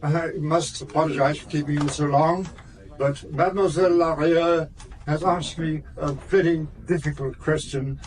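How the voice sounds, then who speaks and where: An actor playing a grave, courteous Catholic abbé in a radio drama, speaking formally and deliberately. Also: male voice, on the high side, fairly even intonation, a little hiss or hum, lightly acted, poor audio.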